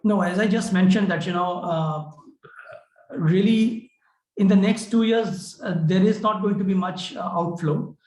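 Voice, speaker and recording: A man with an Indian accent answering questions as a company executive on an earnings call, explaining in a measured, hesitant way. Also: high-pitched, a little mellow. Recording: roomy, echoing conference call.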